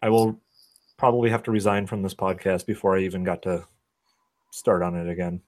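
A man's voice: low voice, flat delivery, a little fast, a little mellow. A man in his early thirties on a podcast, making wry, crude jokes in casual chat. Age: 30s. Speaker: podcast co-host.

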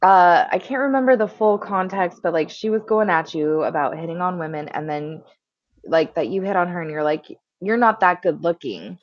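A woman's voice: on the low side, moderate pace, no room sound. A woman co-host talks bluntly, scolding and cursing freely. Her voice sits mid-range. The sound is dry and a little muffled, lo-fi. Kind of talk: casual call-in show banter. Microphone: earbuds in, remote mic.

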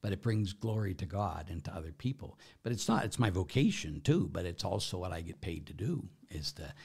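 A man speaking as a Catholic priest has a low, darkish, creaky voice with a breathy edge, talking expressively and a little fast. He gives informal religious teaching and answers questions emphatically, often checking in with listeners.

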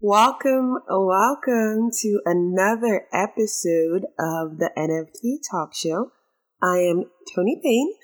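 A woman with a raspy, hoarse voice hosting a talk show monologue, giving her opinions emphatically and repeating phrases for effect. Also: on the low side. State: hoarse after a late night.

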